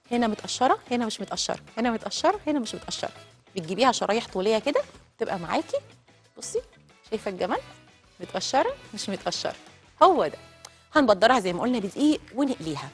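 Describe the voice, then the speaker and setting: A woman's voice: mid-range voice, lively intonation, racing, long pauses, soft background music. A woman with an Egyptian accent hosting a TV cooking show, chatting straight to viewers as she cooks in a studio kitchen. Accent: Egyptian Arabic. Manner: chatty, addresses viewers directly. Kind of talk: live cooking demonstration.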